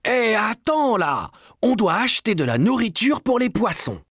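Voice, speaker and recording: Patient cartoon parent, very lively. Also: female voice, on the high side, moderate pace, breathy edge, dry recording, studio quality. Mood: friendly, explaining. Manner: reassuring, simple explanations. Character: patient, kindly, explaining parent of a small child. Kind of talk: children's cartoon acting.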